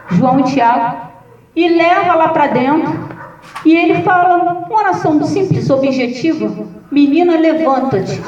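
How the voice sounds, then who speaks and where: High-voiced Brazilian woman preaching in echoey room. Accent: Brazilian Portuguese. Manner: lively, humorous storytelling with acted quotes. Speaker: pastor. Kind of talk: sermon. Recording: echoey, distant, dull sound.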